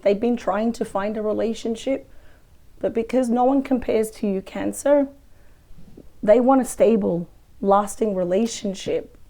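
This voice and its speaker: A woman with a weak, croaky voice from a cold, chatting through a weekly tarot reading. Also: on the high side, unhurried, mellow. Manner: chatty, thinks aloud over the cards. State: hoarse from a cold. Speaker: tarot reader. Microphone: close microphone.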